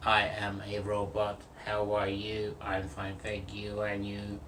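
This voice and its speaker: Using a put-on character voice, a man speaks at a fairly slow pace and fairly low pitch over clear background noise. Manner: monotone, no intonation.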